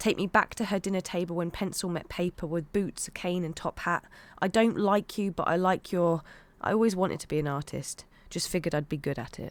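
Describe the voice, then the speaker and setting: A woman with a British accent talks at a fairly quick pace and fairly low pitch, with ordinary pitch variation. The recording is very clean, with a silent background and a dry, close sound with no echo. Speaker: streamer and poet. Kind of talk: poetry reading; casual live stream chat. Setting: home studio, live stream. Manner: halting, restarts lines.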